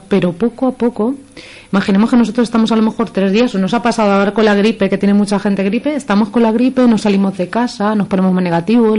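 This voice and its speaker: Fast-talking woman psychologist on radio. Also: mid-range voice, dark tone. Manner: explanatory, gives examples with quoted phrases. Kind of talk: radio talk-show discussion. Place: radio studio.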